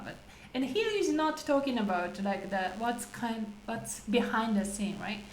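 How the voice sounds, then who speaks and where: A woman with a high voice and a Japanese accent hosts a conversational language lesson. She explains step by step and poses questions along the way. The sound is echoey and roomy. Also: a little hiss or hum. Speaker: host leading English conversation practice. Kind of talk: casual explanatory lesson talk.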